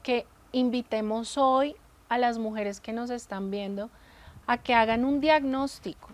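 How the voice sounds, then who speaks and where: Woman, slightly high voice, conversational, rhetorical questions, Christian talk co-host. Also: measured pace. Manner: explains with everyday examples and rhetorical questions. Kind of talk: faith-based casual conversation.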